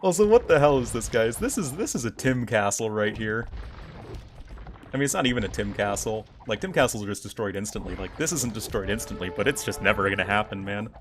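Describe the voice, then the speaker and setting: A man's voice: on the low side, expressive, brisk, fairly bright tone, slight background noise. A young man casually commentating a strategy game on his live stream, chatting with his viewers. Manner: casual, chatty, reacts to chat. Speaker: game caster.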